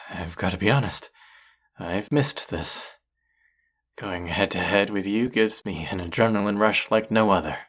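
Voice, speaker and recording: Casting: male actor as arrogant chef with a low voice, sardonic and needling, secretly fond of his rival, for intimate audio roleplay. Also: unhurried, fairly bright tone, slightly rough. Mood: teasing, defensive. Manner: teasing, sardonic, condescending. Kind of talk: intimate audio roleplay acting addressed to listener.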